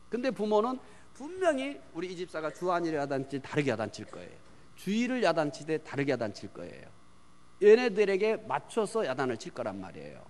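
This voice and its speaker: Animated male preacher in a reverberant church. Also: a little high, slight background noise. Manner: asks the congregation questions and answers them himself; swings from loud emphasis to hushed near-whispers. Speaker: pastor. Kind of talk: sermon on parenting. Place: church sanctuary. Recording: long church hall reverb.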